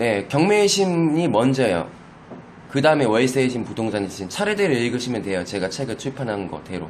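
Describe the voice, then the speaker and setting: A man speaks at a medium pitch with very wide pitch swings. The room echo is audible. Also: fairly quick pace. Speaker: real estate auction author and lecturer. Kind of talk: live Q&A lecture. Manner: fast; animated.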